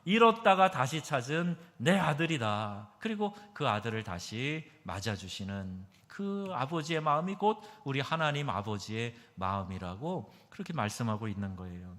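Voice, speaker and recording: Korean pastor preaching in a reverberant hall. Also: male voice, big pitch swings, normal speed, hardly any pauses. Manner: emphatic, asks the congregation rhetorical questions; swings between loud stresses and soft low asides. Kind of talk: sermon. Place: church sanctuary.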